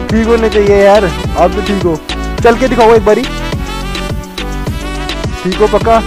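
A man motovlogging outdoors by a road, talking excitedly to camera and laughing often. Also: high-pitched. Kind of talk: casual outdoor vlog talk to camera.

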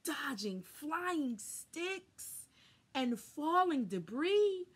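High-voiced, very slow-paced woman storyteller. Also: very animated. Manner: dramatic, with pauses and emphasis. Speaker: storybook reader. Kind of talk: animated children's story read-aloud. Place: small furnished room at home, indoors.

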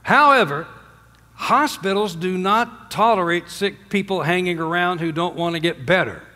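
An older man preaching a sermon from a church stage, emphatic, calling out for amens and dropping to hushed endings. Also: moderate pace. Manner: emphatic, swinging from loud highs to low hushed endings; asks the congregation for amens. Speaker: pastor. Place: large church sanctuary with stage and drum kit. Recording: long hall reverb.

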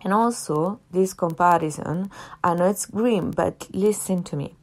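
A woman's voice: fairly low pitch, unhurried, a little mellow. A woman with an Italian accent hosting a solo podcast, talking earnestly and repeating phrases for emphasis. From half Italian, family in Italy. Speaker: podcast host.

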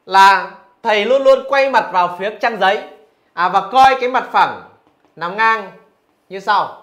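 A man with a high voice teaches physics, working through exam questions one by one. He keeps checking with his students as he explains each answer. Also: expressive, unhurried, fairly bright tone. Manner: talks through answers, asks rhetorical questions. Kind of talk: exam review lesson.

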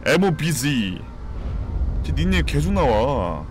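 Male game streamer, lively swings from muttered repeats to exclamations, casual and playful with viewers, slight game noise behind. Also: fairly high pitch, slow pace. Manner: mutters repeated short phrases, bursts into exclamations. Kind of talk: live battle royale game commentary.

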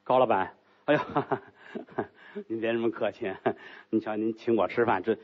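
A man voicing a haughty, commanding rich young concubine, speaking low and cool in a storytelling act. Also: fairly even intonation, moderate pace, lo-fi sound, lightly acted. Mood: polite, probing.

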